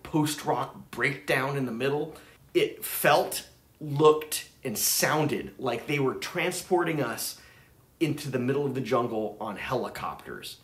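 In a room with record shelves, a vinyl-channel host in his thirties chats enthusiastically about his trip for a casual travel vlog. His mid-range voice has a roomy sound.

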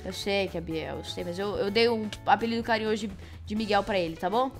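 A woman with a Brazilian Portuguese accent hosting a let's-play, excitable, shrieking and teasing as she plays. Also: mid-range voice, fast talker, soft background music. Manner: excitable, shrieks and shouts at game events, playful teasing. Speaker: gaming channel host. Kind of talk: let's-play game commentary.

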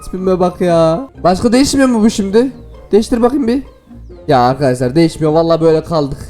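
Playful excitable man narrating gameplay. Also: a little high. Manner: playful and excitable, laughs often, chats to viewers. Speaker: gaming video host.

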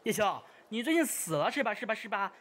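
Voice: medium pitch, big pitch swings, a bit bright, slight background noise. A performer in an amateur radio drama playing a hyperactive young male gamer who chatters, repeats words and badgers indignantly. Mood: pestering. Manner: rapid-fire, repetitive, badgering.

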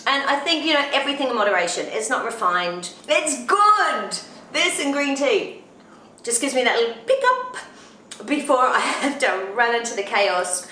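A woman's voice: fairly high pitch, big pitch swings, moderate pace, sharp tone, reverberant, a little hiss or hum. A woman in her forties with a New Zealand accent, a lifestyle vlogger chatting to camera while cooking at home. She sounds tired, upbeat and chatty, and laughs often. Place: home kitchen, indoors.

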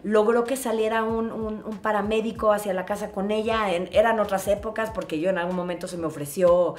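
A woman with a Mexican accent telling a family story to her viewers in a casual, animated way. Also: medium pitch, fairly quick. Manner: animated, expressive, acts out scenes. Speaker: vlogger.

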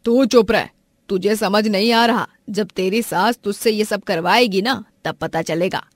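Casting: woman for a grumpy, strict mother-in-law in an animated drama, mid-range pitch, commanding delivery. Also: unhurried, no echo, close to an everyday voice. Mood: scolding. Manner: scolding, commanding. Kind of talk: animated family story acting.

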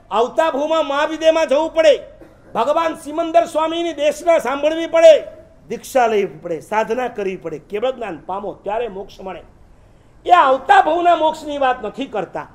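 A man preaches a sermon in a strikingly high voice. He moves between wry jokes and recited verses and poetry, in the manner of a Jain preacher.

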